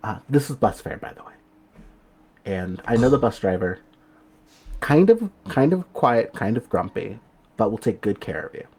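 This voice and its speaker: A man's voice: lowish voice, very animated, normal speed, long pauses, a little mellow, husky, heavily acted. A man as a kindly, hesitant young female guide. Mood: gentle, reassuring. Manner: hesitant, reassuring.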